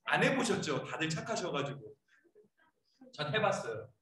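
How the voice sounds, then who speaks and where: A man's voice: a little high, big pitch swings, normal speed, bright, forceful tone. A man preaching a sermon as pastor, often putting questions to the congregation and acting out scolding lines in a raised voice. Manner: keeps asking the congregation questions. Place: church sanctuary. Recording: echoey church hall, mic far off.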